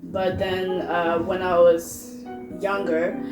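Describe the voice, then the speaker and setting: A young woman talks in a slightly low voice at a very unhurried pace. She chats casually, pausing to find her words. The room is echoey, with faint music underneath. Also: level tone. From born in Canada, partly raised in Ghana. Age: 20s. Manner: halting, thinking aloud. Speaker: co-host. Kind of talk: casual chat.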